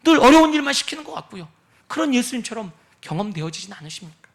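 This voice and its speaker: A man's voice: extremely high pitch, very animated, fast. A man preaching a sermon as a pastor, acting out prayers and the words of Jesus with dramatic swings, sometimes dropping to a near whisper.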